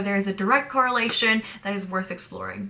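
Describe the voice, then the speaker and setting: A woman talks with a Czech accent. Her pitch varies in an ordinary way. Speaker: language-learning YouTuber. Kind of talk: scripted educational vlog.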